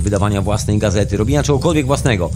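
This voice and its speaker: Through audible room echo and noticeable background noise, a man's fairly low voice moves in very wide pitch swings. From Poland, Wrocław. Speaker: radio host. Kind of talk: solo radio monologue storytelling. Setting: radio studio, seated at microphone. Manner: casual, conversational.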